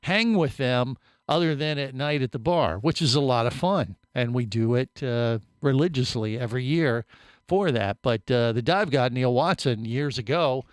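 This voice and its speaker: A man's voice: mid-range voice, moderate pace, clean tone, no echo. A middle-aged man hosting a radio show in a studio, telling stories in casual, joking banter. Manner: joking, rambling storyteller.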